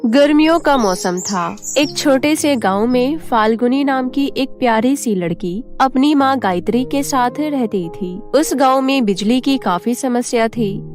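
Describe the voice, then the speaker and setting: A woman's voice: on the high side, lively intonation, unhurried, few pauses, a little mellow. A woman storyteller reading a scripted children's tale as narration. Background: faint music.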